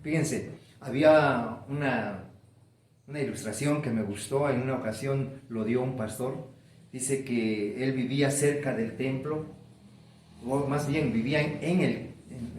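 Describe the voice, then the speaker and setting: A man's voice: medium pitch, darkish tone, reverberant, a little hiss or hum. A man preaching a sermon, stretching key words and building emphasis. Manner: preaching with rising emphasis and drawn-out stresses. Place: church sanctuary.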